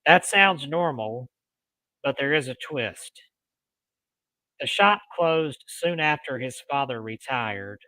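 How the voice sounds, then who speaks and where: Male paranormal show host, deliberate storytelling read with casual touches, forward bright tone, dry recording. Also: mid-range voice, animated, dry recording. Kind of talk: reading ghost stories aloud with casual asides.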